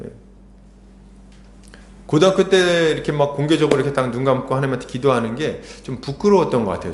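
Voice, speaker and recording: In an echoey church sanctuary, a middle-aged pastor preaches conversationally, full of rhetorical questions. His delivery grows urgent and rises in pitch.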